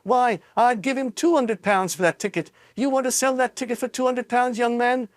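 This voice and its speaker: A pushy woman from a storybook, as a man puts her on, raised high and loud with a scornful edge. Dry, close sound. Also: steady tone, moderate pace, no room sound.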